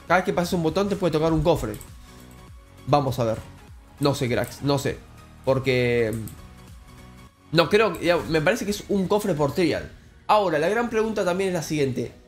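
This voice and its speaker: Excitable Rioplatense man gaming, high voice. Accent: Rioplatense Spanish. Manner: excitable, calls viewers "cracks" and "amigos", jumps high when thrilled. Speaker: gaming YouTuber. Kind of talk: Let's Play commentary.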